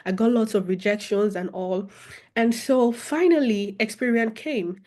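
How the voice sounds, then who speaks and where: A young adult woman with a Nigerian accent, telling her story as an interview guest in an expressive, animated way. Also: medium pitch, a little slow. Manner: expressive, animated, with laughter and repeated phrases. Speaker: guest, former international student.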